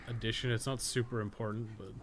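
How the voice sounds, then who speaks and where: A man with a mid-pitched voice streams a game and chats casually with viewers. He thinks aloud in halting, colloquial bursts and swears freely. There is clear noise and ambience behind his voice. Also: level tone. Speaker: game streamer and guide maker.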